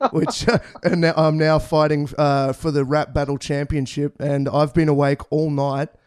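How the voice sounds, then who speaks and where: Flat, monotone intonation comes in an Australian accent. There are hardly any pauses. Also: man, fairly high pitch for a man, moderate pace. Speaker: podcast host and comedian. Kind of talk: casual chat.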